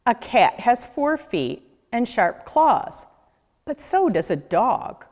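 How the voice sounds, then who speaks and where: A woman reading a children's picture book aloud as a nature educator, with a deliberate, questioning storyteller delivery. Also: on the high side, sing-song, darkish tone. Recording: echoey room with long reverb.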